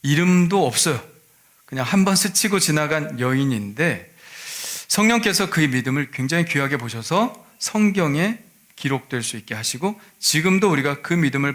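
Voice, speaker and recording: A man's voice: medium pitch, a bit bright. A male pastor preaching a Sunday sermon, retelling a scripture story and asking the congregation rhetorical questions.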